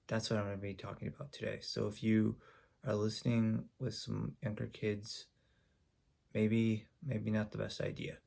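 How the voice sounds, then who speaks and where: Low gravelly man telling a story haltingly. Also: darkish tone. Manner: halting, with frequent ums and restarts. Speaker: YouTuber. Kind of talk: personal storytelling to camera.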